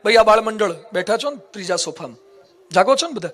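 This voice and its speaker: High bright-voiced male preacher. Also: lively intonation, fast. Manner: playful, teasing, quizzes children in the audience. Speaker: monk preacher. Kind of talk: humorous Gujarati religious discourse. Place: assembly hall with a live audience.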